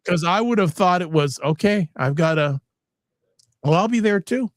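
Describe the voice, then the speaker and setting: A man's voice: sits high, normal speed. A man hosting a live-streamed talk show, chatting casually and animatedly, often cutting himself off and joking. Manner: animated, self-interrupting, jokey. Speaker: host.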